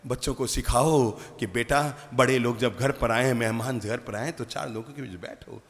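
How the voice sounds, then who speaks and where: A man, a Jain monk, giving an animated sermon full of rhetorical questions and acted-out family scenes. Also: medium pitch, normal speed. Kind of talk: sermon to a live audience. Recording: long hall reverb.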